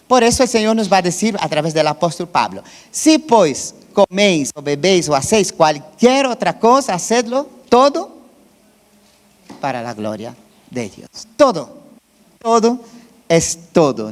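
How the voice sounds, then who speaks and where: Man preaching in a reverberant church. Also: fairly high pitch. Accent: Brazilian Portuguese. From Brazil. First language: Portuguese. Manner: conversational, often checks with listeners. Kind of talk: sermon.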